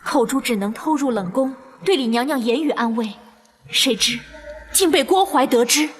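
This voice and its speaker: An actress playing the vengeful ghost of a wronged palace maid, speaking in a mournful, menacing, ghostly declamation in a period drama. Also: female voice, high voice, expressive, moderate pace. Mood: mournful, accusing. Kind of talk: theatrical Chinese period drama acting. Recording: echoey hall reverb, noisy ambience.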